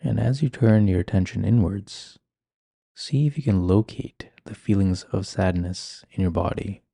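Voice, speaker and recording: A man leading a guided meditation in a calm, gentle, measured manner. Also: low voice, creaky, slightly rough, dry recording, clean studio sound. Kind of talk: guided meditation, ASMR-like instruction.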